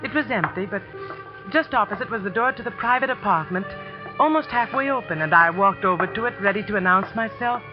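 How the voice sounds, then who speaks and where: An actress playing a spirited young female teacher who narrates her story in a 1940s radio drama, brisk and indignant. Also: mid-range voice, expressive, natural voice. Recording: dull old radio broadcast with music.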